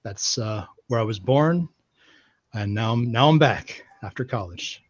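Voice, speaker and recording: A man from Ohio explaining his points in a measured way on a video call. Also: medium pitch, expressive, a little hiss or hum. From Ohio, United States. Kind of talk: casual video call discussion. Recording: dry, lo-fi call audio.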